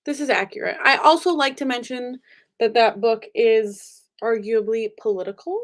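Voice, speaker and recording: Young woman, book vlogger, rambly casual chat, slightly high voice, home recording. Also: normal speed. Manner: chatty, rambling, frequent fillers. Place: home room with angled ceiling.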